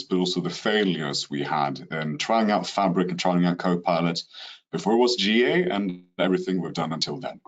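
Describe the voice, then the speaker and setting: A man with a Swedish accent from Sweden gives a rehearsed business webinar presentation over a call, dropping in the odd "you know". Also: deep voice. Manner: steady, rehearsed delivery with occasional "you know" fillers. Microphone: computer mic on a video call.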